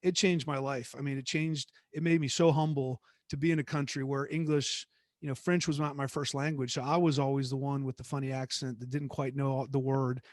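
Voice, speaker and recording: A middle-aged man, a guest speaker, telling stories from his career in a relaxed, reflective way with frequent restarts. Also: medium pitch, fairly quick, no room sound, clean studio sound. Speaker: guest speaker, former theme park executive. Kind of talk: conversational class talk.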